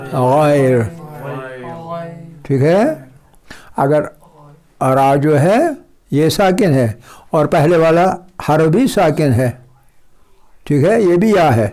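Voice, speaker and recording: Man, recitation teacher, patient, repeats words slowly, checks understanding, mellow, higher pitch. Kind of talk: tajweed lesson.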